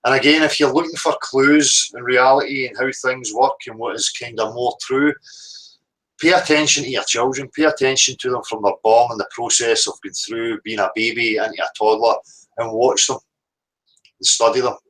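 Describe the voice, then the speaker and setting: A man's voice: medium pitch, steady tone, moderate pace, a bit bright, low-quality recording. A man with a Northern Irish accent hosting a live stream, musing in a rambling, reflective way with casual swearing and an easy, unscripted flow.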